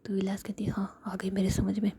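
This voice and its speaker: A woman narrating a story in a soft, steady whisper. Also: medium pitch, a little fast, slightly rough.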